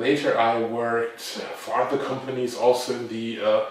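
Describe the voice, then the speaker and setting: With a German accent, a man talks at a very slow pace in a monotone, flat intonation, and audible room echo surrounds his voice. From Germany, near Frankfurt. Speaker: retro gaming video maker. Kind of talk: casual interview. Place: home room. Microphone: camera far.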